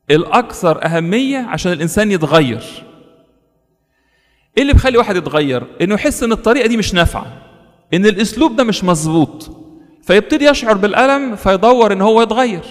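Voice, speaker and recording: A man's voice: high-pitched, in a large hall. A man with an Egyptian Arabic accent preaching a sermon. He tells stories and asks his listeners rhetorical questions.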